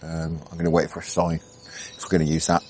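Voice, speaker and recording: A middle-aged man from England talks through his fishing session outdoors on a canal bank at dawn. His voice sits low and deep, and his manner is relaxed and chatty, thinking aloud with easy fillers. Faint outdoor ambience with birdsong runs underneath. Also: a little fast, slight background noise. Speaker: angling vlogger. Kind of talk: casual commentary while fishing. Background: birdsong and insects.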